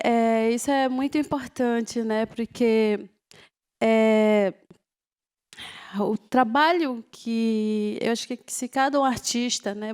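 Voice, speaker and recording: A woman from a Ticuna village in the Brazilian Amazon, whose first language is Ticuna, speaking slowly and haltingly on a discussion panel. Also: a little high, a little mellow, smooth. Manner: slow, halting, many pauses and fillers.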